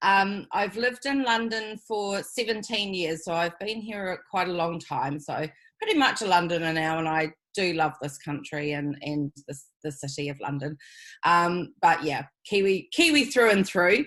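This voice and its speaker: A woman speaks with a New Zealand accent at a moderate pace. Her pitch is fairly low and her intonation lively. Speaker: business consultant. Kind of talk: interview. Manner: energetic.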